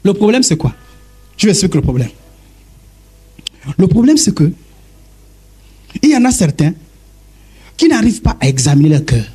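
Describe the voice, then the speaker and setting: Husky-voiced preaching man, animated pitch. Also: moderate pace, long pauses. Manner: emphatic preaching, wide pitch swings, direct address. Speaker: pastor. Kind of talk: sermon.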